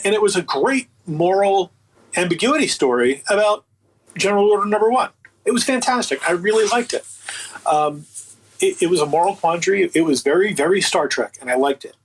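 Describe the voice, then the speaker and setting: A man who produces audio books chats casually as an interview guest, offering his opinions in an emphatic, colloquial way. His voice is high-pitched, animated and fairly quick with a breathy edge, and the audio quality is poor.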